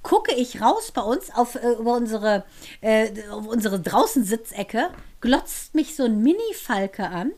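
A middle-aged woman co-hosts a podcast, telling anecdotes in casual chat and laughing as she talks. She's a lively storyteller, and her voice is fairly high and a little slow.

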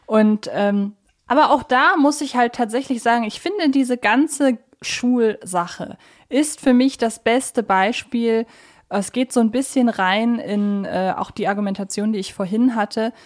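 A woman's voice: a little high, measured pace. A woman hosting a casual podcast discussion, chatty and rambling, often correcting herself mid-thought. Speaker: podcast host. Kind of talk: casual podcast discussion of an audio drama series.

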